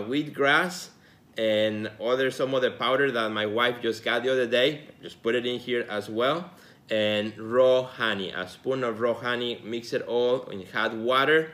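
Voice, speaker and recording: A man in his forties from Mexico, hosting his own show as a casual solo talk, relaxed and rambling, with many fillers and restarts. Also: mid-range voice. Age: 40s. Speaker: podcast host.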